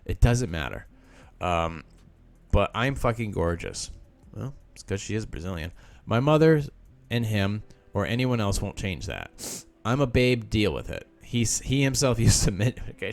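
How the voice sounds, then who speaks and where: A man's voice: on the low side, a little mellow. A male podcast host reads a listener's post aloud and breaks in with sarcastic asides. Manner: sarcastic asides between read lines. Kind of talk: reading a post aloud with commentary.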